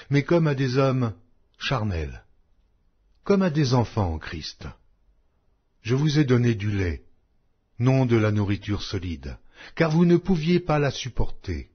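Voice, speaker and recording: A man reads scripture as an audiobook narrator, in a solemn, measured, declamatory way with deliberate pauses. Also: mid-range voice, slightly rough, highs cut off. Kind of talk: solemn scripted Bible reading.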